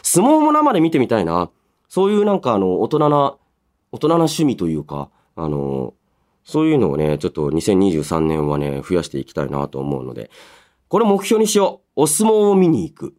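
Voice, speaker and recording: A man's voice: on the low side, wildly swooping pitch, moderate pace. A man hosting a radio show, moving between casual chat and announcements in a polite, chatty way. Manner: polite, chatty, frequent soft "ne" tags. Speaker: radio show host and voice actor.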